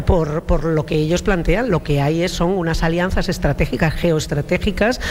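A woman explaining her view thoughtfully, with filler pauses, as a panelist in a roundtable debate. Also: lowish voice, darkish tone, in a large hall, a little hiss or hum.

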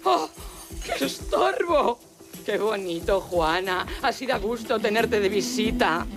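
A woman's voice: medium pitch, lively intonation, slow pace, loud music behind the voice. An actress playing a falsely sweet, self-pitying female head waiter in an audio drama, with a Castilian Spanish accent. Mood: needling, indignant.

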